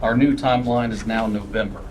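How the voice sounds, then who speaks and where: A man's voice: fairly low pitch, fairly even intonation, fairly quick, noisy background. A man chairing a public meeting, folksy in small talk and pointed when he questions. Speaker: committee chair. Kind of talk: public meeting, leading agenda.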